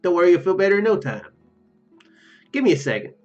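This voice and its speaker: A man's voice: high-pitched, big pitch swings, fast talker, lo-fi sound, soft background music. A man voicing a shy, kind young female mage from a visual novel, speaking hesitantly and earnestly. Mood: reassuring.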